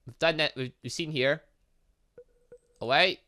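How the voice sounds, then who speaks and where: A man's voice: a little high, measured pace, soft background music. A man reading visual novel dialogue aloud as a gaming host, playfully breaking in with his own asides and reactions. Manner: animated, interjecting, playful asides.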